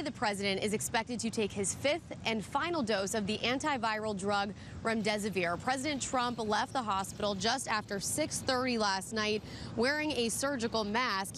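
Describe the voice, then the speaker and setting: A woman's voice: fairly high pitch, background noise. A woman with an American accent delivering a live television news report as a field reporter.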